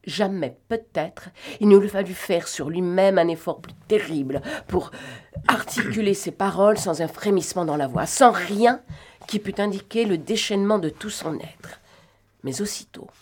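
A woman narrating a novel in an expressive, dramatic reading. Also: medium pitch, normal speed, husky. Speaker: audiobook narrator.

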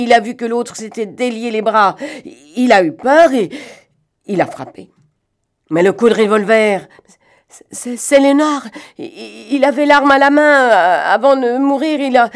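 A woman's voice: a little high, a little slow, pitched above the performer's own voice. Woman doing a scared young accomplice, stammering, trembling voice, storybook reading. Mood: shaken.

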